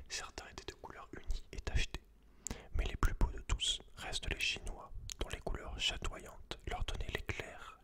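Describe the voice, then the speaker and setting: A man whispers throughout in a breathy, voiceless tone. He delivers it as ASMR, softly reading and explaining things informally and directly to the listener. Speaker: ASMR video creator. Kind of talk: whispered ASMR, reading aloud with casual asides.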